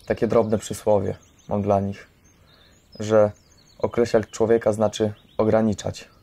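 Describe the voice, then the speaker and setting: A young man speaks in a low, flat-toned voice with a mellow edge. He reflects candidly, circling back over his words and restarting phrases as he goes. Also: measured pace. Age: young adult. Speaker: participant in a youth centre audio documentary.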